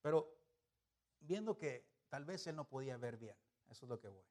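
A man preaching a sermon, animated, swinging between loud emphasis and soft asides, asking the congregation rhetorical questions. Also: mid-range voice, normal speed.

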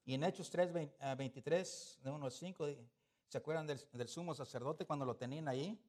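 A man preaching a sermon, animated, swinging between loud emphasis and soft asides, asking the congregation rhetorical questions. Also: on the high side, fairly quick.

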